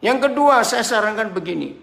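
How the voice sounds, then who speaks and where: A male pastor preaching a sermon over a video call, dramatic, swinging between shouts and quiet asides and asking his listeners rhetorical questions. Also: high voice, expressive, brisk, vocal fry, echoey room. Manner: asks the congregation rhetorical questions.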